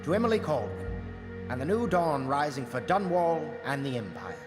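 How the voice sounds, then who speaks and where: A blunt, gruff conspirator with a lively, rising-and-falling delivery. His voice carries a long hall tail over music. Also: a little high, normal speed. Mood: relieved.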